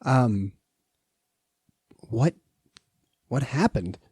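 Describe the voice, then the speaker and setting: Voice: mid-range voice, lively intonation, very slow, darkish tone, husky, no room sound. A tabletop game player chatting casually while describing moves and speaking in character.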